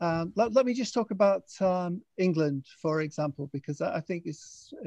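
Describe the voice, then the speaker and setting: A man with a British accent, high in pitch and dark, mellow in tone, in a dry sound with no echo and a quiet background. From UK. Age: 60s. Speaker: public speaking coach. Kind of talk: lecture. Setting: video call. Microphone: video call.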